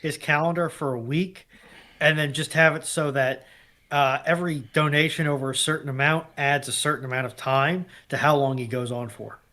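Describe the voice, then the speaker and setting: A man's voice: fairly high pitch, steady tone, moderate pace, sharp tone. A man speaking casually as a co-host on a livestream. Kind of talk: casual chat.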